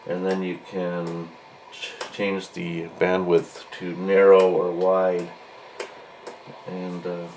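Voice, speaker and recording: A man giving a casual, unscripted product review as a hobbyist, halting and mildly grumbling, pausing mid-sentence. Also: low-pitched, monotone, vocal fry. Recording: faint background room noise.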